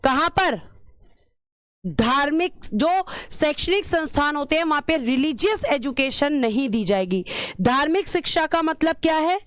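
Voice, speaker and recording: A woman's voice: sits high, expressive, measured pace, a bit bright, no room sound, studio quality. A woman teacher giving an exam-prep lecture, repeating key terms and asking and answering her own questions, calling her students "beta".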